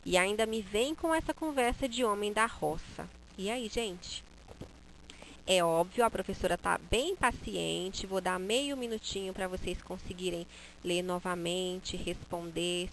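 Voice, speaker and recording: A woman's voice: mid-range voice, a little slow, slight background noise, low-quality recording. A woman with a Brazilian Portuguese accent teaching a recorded video lesson, acting out the interjections she reads. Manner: expressive, acts out interjections.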